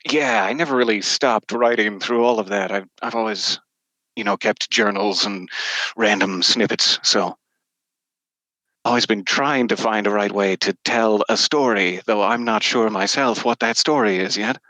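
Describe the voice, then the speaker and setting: A man's voice: fairly low pitch, normal speed, pushed and bright, no echo, low-quality recording. A middle-aged man telling anecdotes as an interview guest in a casual, wryly self-deprecating way. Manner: self-deprecating, wry humour. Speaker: interview guest, podcast narrator.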